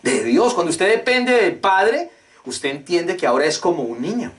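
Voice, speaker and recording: High-voiced pastor guy preaching, keeps asking the crowd questions, very emphatic. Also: sing-song, normal speed. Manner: rhetorical call-and-response questions. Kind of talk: sermon.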